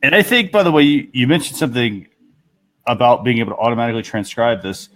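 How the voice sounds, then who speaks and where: A man's voice: mid-range voice, fast, a bit bright. A man hosting a talk show, casually explaining tools and tips to his audience and fellow panelists.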